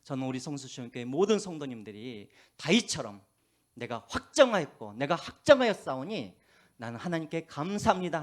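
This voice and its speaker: A pastor preaching a sermon, telling stories with a lively voice and dropping to quiet asides, with a faint Jeolla accent. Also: male voice, mid-range voice. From Korea, Gwangju. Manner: animated storytelling, drops to hushed asides. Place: church.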